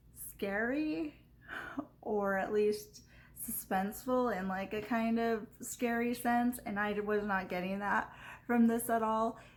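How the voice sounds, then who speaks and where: Very slow speech from a woman, fairly high in pitch, her intonation fairly even. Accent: Southern Californian. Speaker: book reviewer. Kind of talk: book review monologue. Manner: hesitant, many fillers.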